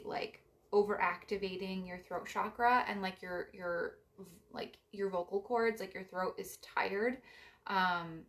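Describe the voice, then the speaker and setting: A young woman with a raspy voice giving a casual spiritual card reading, meandering with gentle advice. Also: medium pitch. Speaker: psychic card reader.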